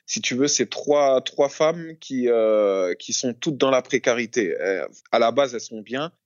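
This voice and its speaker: A man in casual chat, telling a story in a halting, slangy way with many fillers. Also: medium pitch, lively intonation, no room sound, dull audio.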